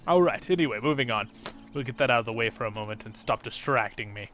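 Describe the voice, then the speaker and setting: A YouTube channel host with a mid-range voice talks fast and animatedly over soft background music. He plays a fantasy game while offering casual, upbeat, chatty commentary that drifts into softer asides.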